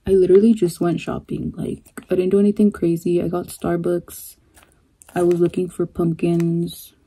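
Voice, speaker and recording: A young woman chatting casually to camera in her bedroom during a food vlog, relaxed and unhurried, trailing off with fillers. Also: lowish voice, husky. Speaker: vlogger. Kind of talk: casual mukbang chat.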